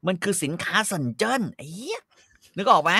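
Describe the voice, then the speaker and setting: A man co-hosting a casual podcast, ranting bluntly and profanely in an animated way. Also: high-pitched, fairly quick, husky, no room sound, clean studio sound. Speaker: co-host.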